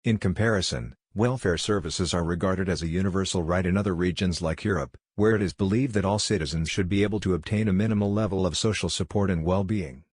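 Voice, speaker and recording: A man with a low voice narrates exam practice material from a script. His delivery is measured and formal, and the sound is dry and close. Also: breathy edge, no echo. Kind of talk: scripted narration, read aloud.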